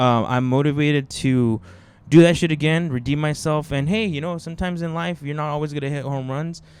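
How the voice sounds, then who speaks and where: With a fairly high pitch, a man talks at a moderate pace. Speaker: podcast host and stand-up comedian. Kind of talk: casual chat.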